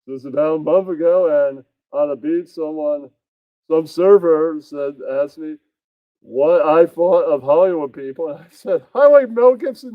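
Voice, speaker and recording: A man's voice: a little high, no room sound, narrow, tinny audio, close to an everyday voice. Man doing an awkward, hammy puppet stand-up comic. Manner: stilted setups, abruptly loud punchlines. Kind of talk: parody stand-up comedy.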